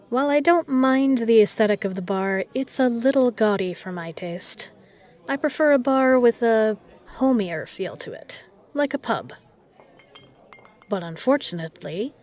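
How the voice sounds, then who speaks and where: A woman playing a self-assured, particular bar regular in an audio roleplay, speaking in measured, formal phrases. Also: mid-range voice, a little mellow, natural voice. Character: poised, particular female bar regular, flirtatious and protective. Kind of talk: scripted audio roleplay addressed to the listener.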